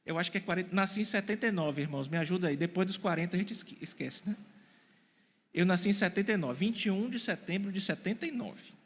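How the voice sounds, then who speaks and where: A man in his forties preaching in a church. His high, lively voice leaps up and down as he poses questions to the congregation and answers them. A long reverb trails after his words. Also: quick pace, breathy edge. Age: 40s. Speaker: pastor. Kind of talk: sermon. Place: church hall.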